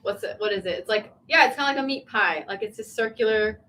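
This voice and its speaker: A woman's voice: mid-range voice, quick pace, bright, forceful tone. A young woman from Virginia hosting a casual livestream from a small tea room, chatty and giggly as she reads viewer comments aloud. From Virginia, USA.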